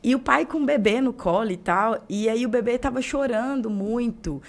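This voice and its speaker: A woman's voice: a little high, moderate pace. A young woman with a Brazilian Portuguese accent hosting a podcast, telling stories animatedly and acting out bits of dialogue. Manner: animated storyteller, acts out dialogue. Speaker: podcast host. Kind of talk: casual interview chat.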